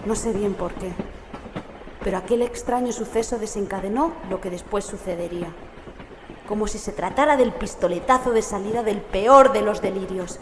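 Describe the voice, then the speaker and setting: A woman's voice: medium pitch, moderate pace, natural voice. A woman playing the uneasy narrator of a horror tale, reading in a dramatic first-person audiobook style. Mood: uneasy, measured. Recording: echoey, clear train ambience noise behind. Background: metro train ambience.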